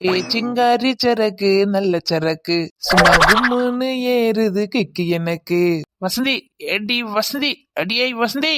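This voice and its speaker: A woman voicing a loud drunk village husband who blusters and threatens with slurred swagger. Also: mid-range voice, normal speed, very noisy, lightly acted. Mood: drunk angry. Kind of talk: cartoon comedy voice acting.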